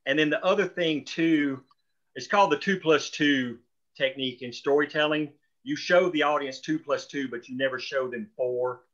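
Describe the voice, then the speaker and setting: A man's voice: on the high side, normal speed, fairly bright tone, dull audio. A man explaining storytelling choices in a group discussion, talking discursively as a writer of the show.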